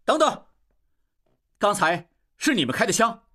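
An urgent, forceful young heir, as a woman reader voices him, raised and pressing, his pitch jumping up. It comes across as a storybook reading. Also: very animated, a little slow, full character voice. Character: determined young male heir, rebel.

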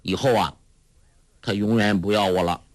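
A man's voice: fairly even intonation, no echo, close to an everyday voice. A man voicing a clever, playful teenage girl in a storybook reading, in a raised, coaxing voice. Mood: plaintive. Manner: high, quick, coaxing.

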